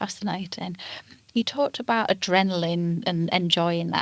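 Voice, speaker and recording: With a Yorkshire accent, a woman talks at a fairly quick pace in a fairly low voice. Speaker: podcast host. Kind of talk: interview conversation.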